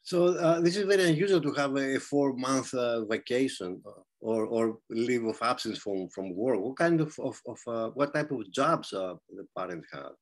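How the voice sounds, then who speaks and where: A man's voice: mid-range voice, normal speed. A man interviewing, asking questions hesitantly with many fillers. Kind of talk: oral history interview.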